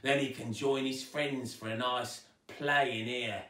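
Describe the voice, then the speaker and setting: A man's voice: medium pitch, steady tone, a little slow, pushed and bright. Man doing a sneering, oily rat-catcher villain. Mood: creepily polite. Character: sinister, grubby rat catcher, creepily polite villain. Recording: roomy echo, distant microphone.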